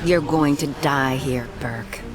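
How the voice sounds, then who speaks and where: An actress playing a cruel female alien warlord who threatens her enemies in a game. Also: over music. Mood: threatening. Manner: menacing, low and deliberate. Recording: game score under the voice.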